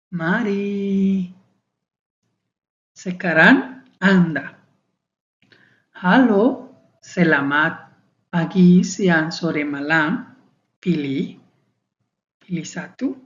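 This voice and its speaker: Woman in her 30s, drills words super slow over and over, roomy dull recording. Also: fairly low pitch. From Mexico. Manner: slow, deliberate drilling with many repetitions. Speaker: foreign student teaching a beginner class. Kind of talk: beginner language lesson.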